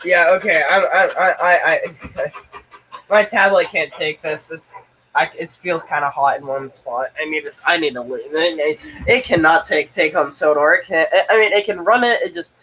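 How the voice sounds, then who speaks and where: High-voiced male streamer, rambling, stammering, casual self-narration. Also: moderate pace, pushed and bright, a little hiss or hum, rough recording. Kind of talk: casual live-stream chatter.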